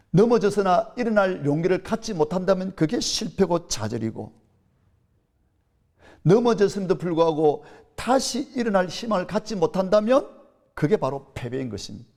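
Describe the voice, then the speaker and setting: With a slightly high, gravelly, somewhat mellow voice, a pastor in his fifties preaches in a Gyeongsang Korean accent. His sermon is earnest and story-based, swelling to emphatic peaks.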